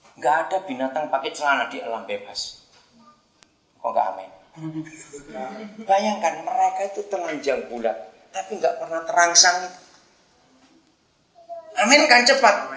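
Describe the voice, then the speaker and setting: A man's voice: sits high, reverberant. A man preaching a sermon, telling stories animatedly and pressing the congregation to answer. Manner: animated storytelling, asks the congregation for responses.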